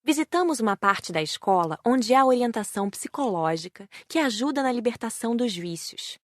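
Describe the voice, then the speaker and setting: A woman's voice: fairly high pitch, animated, brisk, no room sound, clean studio sound. A woman reading scripted first-person audiobook narration.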